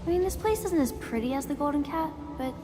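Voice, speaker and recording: A woman's voice: sits high, expressive, fast, long reverb tail, over music. A woman voicing a curious, sweet young girl in a video game cutscene, asking eager questions.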